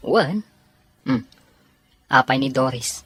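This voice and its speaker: Woman playing a husky Ilocano young man, animated. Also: a bass voice, slow, full character voice. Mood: teasing, friendly. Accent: Ilocano Filipino. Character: easygoing young man, teasing, loyal buddy. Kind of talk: audio drama dialogue.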